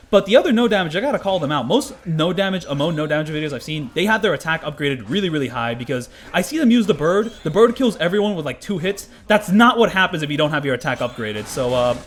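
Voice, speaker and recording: A man's voice: a little high, lively intonation, fast, hardly any pauses, fairly bright tone. A man giving casual, rambling gameplay commentary, a little stuffy from a cold. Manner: rambling, lots of filler words. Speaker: gaming commentator.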